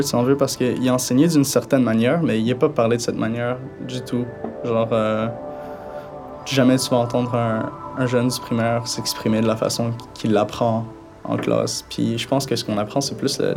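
A young man from Montreal gives his opinion casually, hesitating with "genre" and "euh". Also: mid-range voice. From Montreal, Quebec.

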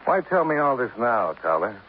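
A man's voice: medium pitch, big pitch swings, normal speed, lightly acted. An actor playing a dry, blunt male insurance investigator in a 1950s radio drama, asking terse, clipped questions. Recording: tinny, hissy old radio broadcast.

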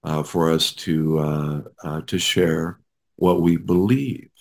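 A man speaking as a ministry leader guest in an interview, halting with many fillers but friendly. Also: rumbling low, fairly even intonation, gravelly.

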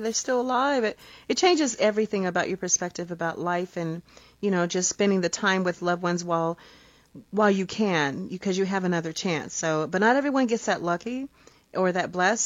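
A woman's voice: fairly low pitch, no echo, lo-fi sound. A woman co-hosting a podcast, chatting casually and speaking directly to the listeners. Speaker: podcast co-host. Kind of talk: casual supportive chat.

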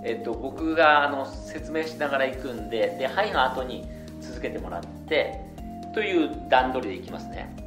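A man teaching a song in a chatty, relaxed way, modelling English lines slowly for students to repeat. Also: mid-range voice. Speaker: singing teacher. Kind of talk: vocal lesson with call-and-response. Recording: echoey room with faint music.

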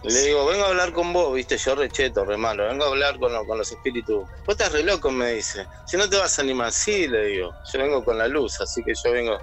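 A caller with an Argentine Spanish accent tells a personal story on air, acting out the voices of the people he quotes. His medium-pitched, fairly bright voice moves fast with lively intonation and few pauses. Soft music plays in the background.

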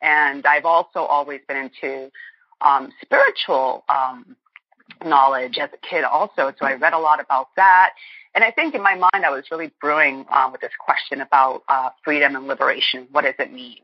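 A woman's voice: deep voice, moderate pace, husky, dry recording. A woman in her forties from Boston, a guest author speaking earnestly and reflectively in an interview. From Boston, United States. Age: 40s. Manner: earnest, reflective, thinking aloud. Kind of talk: conversational interview. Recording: muffled, dry lo-fi line.

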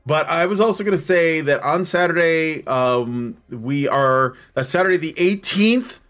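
A man hosting a podcast, relaxed and rambling in casual chat. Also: fairly high pitch, a little slow, faint music behind. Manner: relaxed, rambling, many fillers. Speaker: podcast host.

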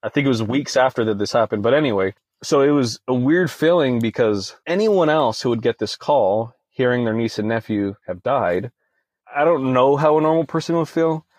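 A man's voice: medium pitch, lively intonation, normal speed, darkish tone, dry recording. Young man telling a story, dry close sound. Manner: conversational, leans on "you know" fillers. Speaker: podcast guest. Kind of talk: casual interview storytelling.

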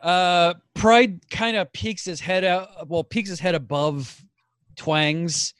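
A man narrating as game master, relaxed and laughing often, with frequent fillers. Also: high-pitched, takes it slowly, clear, resonant tone, no echo.

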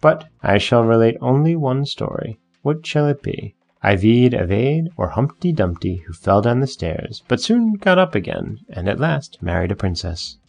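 A man's voice: medium pitch, big pitch swings, normal speed, gravelly, few pauses, a little mellow, soft background music. A man voicing a genial little fat man telling children a story in a storybook reading.

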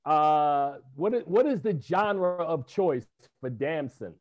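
Chatty male interviewer with a higher voice. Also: animated, takes it slowly, a little mellow. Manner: friendly and chatty, calls the guest "man". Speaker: interview host. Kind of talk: casual interview questions.

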